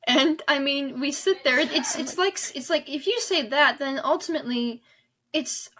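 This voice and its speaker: A woman's voice: high-pitched, moderate pace, sharp tone. A woman guest in a conversational podcast interview, talking in an earnest, emphatic, rambling way. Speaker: interview guest, author and audio drama director.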